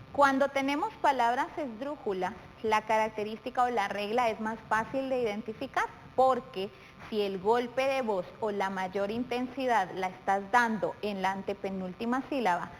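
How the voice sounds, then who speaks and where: A middle-aged woman teaches a televised class for young children, her voice pitched fairly high. She speaks patiently and deliberately, stretching out words syllable by syllable. A faint reverb and light noise hang behind her. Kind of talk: televised primary-school lesson.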